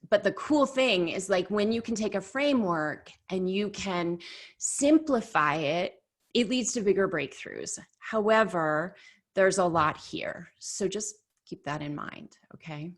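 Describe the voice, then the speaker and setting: A woman's voice: fairly low pitch, a bit bright. A woman leading a workshop in a chatty, conversational storytelling manner, often saying "like" and correcting herself mid-sentence. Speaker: workshop leader.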